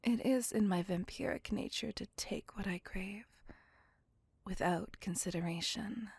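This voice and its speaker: A woman voicing a courteous, possessive female vampire on a date, speaking in a soft, formal and reassuring whisper. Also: medium pitch, gravelly, breathy edge, no echo, exaggerated voice. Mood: tender whisper. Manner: formal, slow, intimate and reassuring. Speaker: voice actor. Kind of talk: ASMR roleplay.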